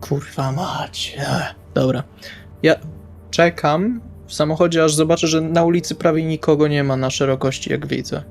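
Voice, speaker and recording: A man's voice: on the high side, fairly even intonation, moderate pace, vocal fry, soft background music. A man playing a tabletop role-playing game, improvising dialogue and narrating his actions casually in colloquial speech. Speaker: tabletop RPG player.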